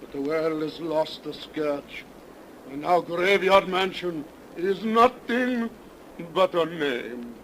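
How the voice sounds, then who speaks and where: An actor playing a grim, relentless older doctor who hunts vampires, declaiming solemnly in 1930s radio melodrama style. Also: male voice, fairly high pitch, animated, takes it slowly. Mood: grimly triumphant. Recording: hissy 1930s radio recording.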